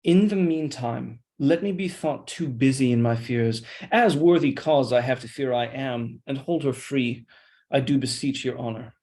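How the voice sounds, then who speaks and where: Man acting scheming soldier, deferential, insinuating, measured, Shakespearean verse, mid-range male pitch. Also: mellow, lightly acted. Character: scheming deferential soldier feeding his lord's suspicion. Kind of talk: Shakespeare read-along.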